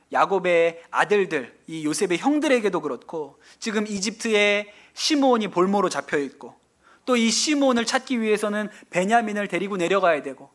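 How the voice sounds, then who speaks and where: A man's voice: high-pitched, a bit bright. A middle-aged man preaching a Sunday sermon as pastor in a church, telling the story and putting questions to the congregation. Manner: storytelling preacher, asking the congregation questions and acting out quoted lines. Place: church sanctuary.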